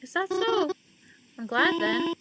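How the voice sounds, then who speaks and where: A woman voicing a heartbroken elderly mother at her daughter's funeral, speaking slowly and gently. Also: extremely high pitch, very animated, pitched above the performer's own voice, exaggerated voice. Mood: grateful. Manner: slow, tearful, gentle. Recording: loud background noise.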